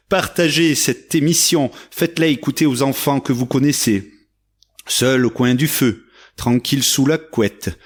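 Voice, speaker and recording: A man hosting a children's story hour on the radio, playful and chatty, talking directly to his listeners. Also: mid-range voice.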